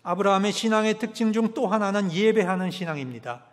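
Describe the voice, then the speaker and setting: A male pastor preaching a sermon, emphatic, swinging from loud peaks to hushed drops. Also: high voice, lively intonation, quick pace. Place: church sanctuary. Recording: long church hall reverb.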